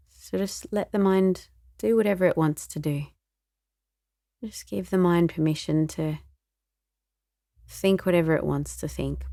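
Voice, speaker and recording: A woman leads a guided meditation in a low, mellow voice. She speaks very slowly and gently, with a soft, soothing delivery that sometimes turns breathy. The sound is close and dry. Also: no room sound. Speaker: meditation teacher.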